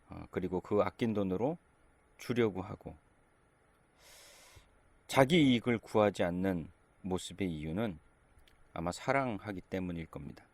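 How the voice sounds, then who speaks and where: Middle-aged pastor, calm conversational sermon, deep voice, dry close sound. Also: male voice, dry recording. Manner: gentle, conversational preaching in short phrases.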